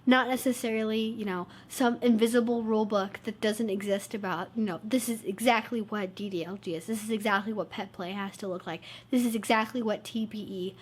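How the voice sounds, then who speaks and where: A woman's voice: mid-range voice, fairly even intonation, a little fast, few pauses, slightly rough. A woman hosting her own channel, talking casually to camera with a congested, stuffed-up nose and little energy. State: low on energy. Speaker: YouTube channel host.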